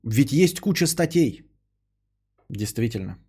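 Husky sarcastic ranting man. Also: medium pitch, expressive, a little slow, warm tone. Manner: sarcastic, indignant, swears a lot. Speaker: podcaster and streamer. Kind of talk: ranting monologue answering a viewer.

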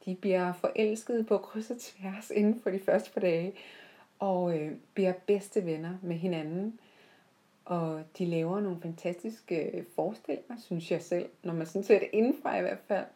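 A woman telling personal stories off the cuff in a heartfelt, reflective way, often pausing mid-sentence. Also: fairly low pitch, warm tone. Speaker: podcast host. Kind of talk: unscripted reflective personal storytelling.

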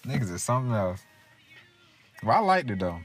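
A man's voice: mid-range voice, sing-song, brisk, soft background music. Joking man with African American English. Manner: joking, storytelling, profane. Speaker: podcast guest. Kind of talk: casual chat.

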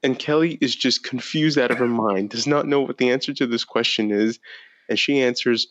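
A man co-hosting a casual sports chat podcast, telling stories in an animated way and laughing often. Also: mid-range voice, normal speed, dull audio, a crowd in the background. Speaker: podcast co-host.

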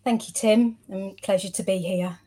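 A middle-aged woman with a medium-pitched voice speaks as an interview guest. She explains things in a chatty, conversational way. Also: steady tone, normal speed, dark tone. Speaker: interview guest, social media professional.

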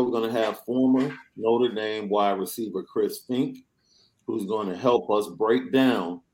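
A young adult man hosting a casual sports podcast, reading through news in an energetic, chatty way. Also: on the low side, rough recording. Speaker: podcast host.

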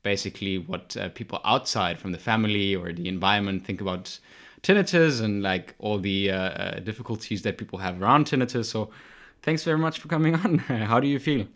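A man's voice: fairly low pitch, fairly quick, fairly bright tone. A young man hosting a podcast, talking casually with a lot of hesitation and filler words. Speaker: podcast host.

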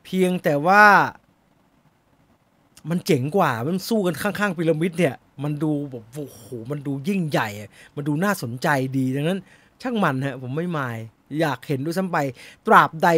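A man's voice: a little high, fairly bright tone, no echo. A man hosting a casual live stream about movie news and reading viewer comments, chatty and loose, muttering to himself as he sorts out his slides. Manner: chatty, laughs and mutters while fixing slides.

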